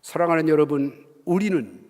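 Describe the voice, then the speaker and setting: Older pastor preaching in a reverberant church. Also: male voice, fairly high pitch, expressive, normal speed. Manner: storytelling, acts out quoted voices, rises to shouts. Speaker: pastor emeritus. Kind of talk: sermon. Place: church sanctuary.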